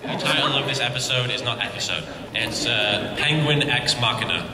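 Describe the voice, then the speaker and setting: A man's voice: mid-range voice, normal speed. A man talking casually and a bit hesitantly as a panelist at a convention Q&A, somewhat self-deprecating. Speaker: convention panelist, web series creator. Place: large convention panel hall. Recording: echoey hall from far off, loud crowd noise.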